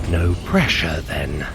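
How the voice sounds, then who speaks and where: A man's voice: a bass voice, heavy background noise, heavily acted. An actor playing a wry, prickly male trickster god and sorcerer in an audio drama, with a dry, sardonic manner. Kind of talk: scripted audio drama acting for a running workout.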